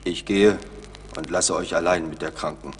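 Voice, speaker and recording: A man's voice: low voice, steady tone, moderate pace, husky. A man playing a solemn, wary tribal elder in a German radio play. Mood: stern.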